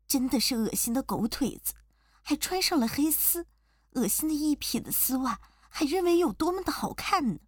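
A woman's voice: high voice, breathy edge, no echo, clean studio sound, exaggerated voice. A woman voicing a cruel, mocking young woman rival in an amateur audio role-play. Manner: mocking, drawn-out sneers.

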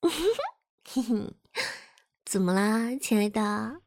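High bouncy voice, woman doing a pouty bratty gf, coy and teasing, slow. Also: very animated, a little mellow, slight background noise, full character voice. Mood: smug teasing. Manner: coy and teasing, whiny pouting. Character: playful, bratty young girlfriend, teasing and pouting. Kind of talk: audio role-play drama.

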